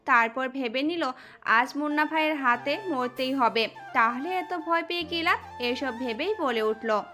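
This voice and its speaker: A woman's voice: high-pitched, measured pace. A woman reading a scripted dramatic story as the narrator of an audio drama. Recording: music under the voice.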